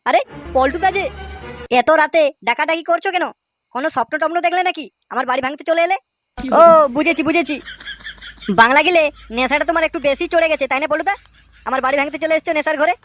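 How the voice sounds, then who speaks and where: A man's voice: very high-pitched, quick pace, sharp tone, a little hiss or hum. A man voicing a shifty village womanizer who plays innocent in a comic cartoon, with a West Bengal accent and a mocking, evasive manner. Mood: teasing. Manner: mocking, evasive, stammers when cornered.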